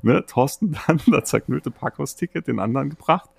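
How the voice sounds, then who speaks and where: A man of around forty from Germany, casually telling anecdotes as a podcast host in a chatty, animated way. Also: on the high side, fairly quick, gravelly, slightly rough, no room sound. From Saarland, Germany. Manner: chatty, animated storyteller who acts out friends' dialogue.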